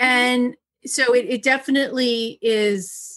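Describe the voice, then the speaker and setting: The tone is bright and sharp. The speaker is a woman. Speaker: podcast host and dietary needs expert. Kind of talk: interview conversation.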